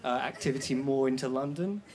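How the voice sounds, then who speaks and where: A man's voice: medium pitch, a little fast, a little mellow. A man in the audience asking a long question, hesitant, with many "um"s and restarts. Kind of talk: question from the floor.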